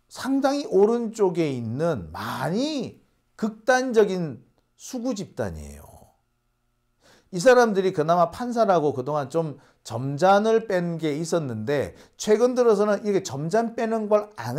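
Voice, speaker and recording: A man's voice: high-pitched, a little mellow. Guy ranting about politics, lots of rhetorical questions, voice all over the place. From Busan, South Korea. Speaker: host. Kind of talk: political commentary.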